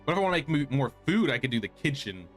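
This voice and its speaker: A man's voice: medium pitch, sing-song, very fast, fairly bright tone. A man giving casual, rambling gameplay commentary as a streamer, thinking aloud as he goes. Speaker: game streamer. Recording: game music behind. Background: game music.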